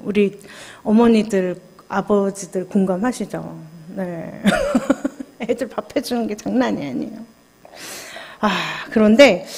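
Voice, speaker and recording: A woman junior pastor giving a confessional, conversational sermon at a Friday prayer service, asking the congregation questions. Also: fairly high pitch. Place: church sanctuary. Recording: long church hall reverb.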